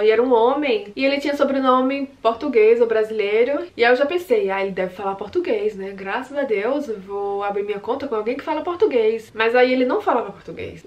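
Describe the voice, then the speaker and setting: A woman's voice: on the high side, muffled recording. A young woman from Brazil casually recounting her mishaps abroad in a vlog, acting out her own reactions in quotes. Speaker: vlogger.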